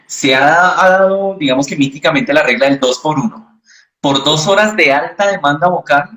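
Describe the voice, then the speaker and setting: Man explaining voice care calmly. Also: mid-range voice. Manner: calm, didactic, uses examples. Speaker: voice specialist guest. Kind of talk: explanatory interview answers.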